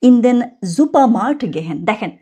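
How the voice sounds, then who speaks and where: A woman's voice: a little high, expressive, normal speed, dark tone, breathy edge. A woman teaching German from a textbook, chatty, explaining words step by step and correcting herself as she goes.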